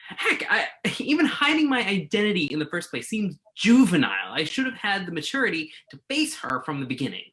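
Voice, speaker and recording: A man's voice: high-pitched, huge pitch swings, a little fast, bright, forceful tone, heavily acted. A man acting the part of an earnest, wordy, self-doubting journalist in a staged play reading. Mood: regretful. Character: remorseful male entertainment journalist, self-doubting, argumentative, earnest.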